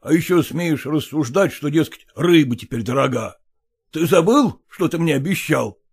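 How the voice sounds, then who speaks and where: A stern older father-in-law, bossy and sure of himself, lecturing at a deliberate pace, as a male storyteller plays him. His voice sits fairly high for a man and moves in lively swings as he instructs. He scolds and corrects, always in charge, in a storybook reading. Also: breathy edge.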